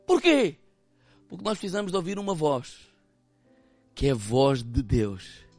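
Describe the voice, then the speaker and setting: A man with a European Portuguese accent preaching a sermon as pastor, swinging between impassioned loud passages and hushed, quiet ones. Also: a little high, very animated, measured pace, soft background music.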